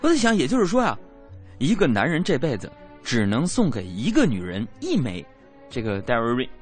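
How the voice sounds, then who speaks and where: Lively young man doing stand-up. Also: mid-range voice, fairly quick, faint music behind. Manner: chatty storytelling with colloquial asides and self-mocking punchlines. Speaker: comedian. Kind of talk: stand-up comedy monologue.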